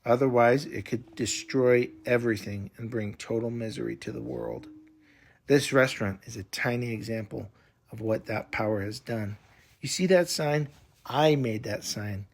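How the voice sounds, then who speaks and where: A man's voice: medium pitch, animated, moderate pace, gravelly. A man voicing a mysterious hooded woman who speaks in solemn, ominous warnings for a children's fantasy story. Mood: grave.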